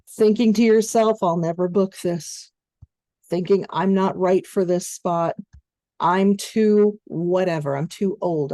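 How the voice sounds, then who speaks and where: Female voice-over coach, low mellow gravelly tone, dry close mic, conversational teaching. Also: no room sound. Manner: instructive, conversational, steady explanations with fillers. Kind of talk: online training webinar.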